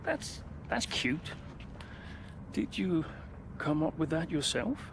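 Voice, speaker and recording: A man's voice: a little high, sing-song, slow, background noise. A man playing a proud but self-doubting veteran racing driver in his thirties in a cinematic video game. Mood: dry, teasing.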